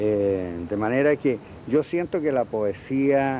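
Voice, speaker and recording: A man talks at a very slow pace with lively intonation. Light background noise sits behind him. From Chile. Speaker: poet and literature professor; poet, literature professor. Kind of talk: interview; interview answer. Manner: halting, many hesitations and repeated words. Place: street.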